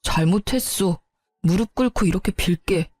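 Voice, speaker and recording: Young husband begging for another chance, mellow voice, dry close sound, woman reading him. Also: on the low side, normal speed, no echo, soft background music, natural voice. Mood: pleading. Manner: pleading, begging. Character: young husband, pleading and apologetic.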